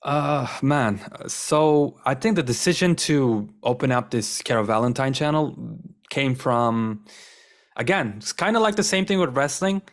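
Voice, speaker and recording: A young man whose first language is Turkish talks as an interview guest. He rambles with plenty of fillers and sounds enthusiastic. His voice sits at an ordinary middle pitch. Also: lively intonation, unhurried. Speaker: guest, wrestling content creator. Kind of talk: casual interview conversation.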